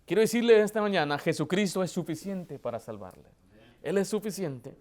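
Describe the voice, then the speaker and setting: A man, a pastor, preaching a sermon with emphatic rhetorical questions that build to loud, impassioned emphasis. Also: sits high, animated, brisk.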